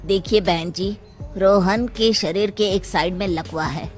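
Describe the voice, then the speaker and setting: A woman voicing a calm, grave village doctor in a cartoon, delivering news matter-of-factly. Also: medium pitch, measured pace, faint music behind, pitched below the performer's own voice, natural voice.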